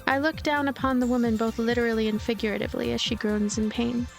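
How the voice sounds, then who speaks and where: Casting: woman, higher voice, expressive visual novel narrator and let's play host, game music underneath. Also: fast, gravelly. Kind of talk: expressive story narration with casual commentary.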